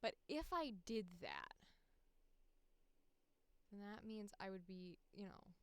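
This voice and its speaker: Woman livestreamer with a very clear, smooth voice. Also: medium pitch, animated, slow pace, dry recording. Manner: self-deprecating, joking. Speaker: voice actor and livestream host. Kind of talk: casual livestream chat.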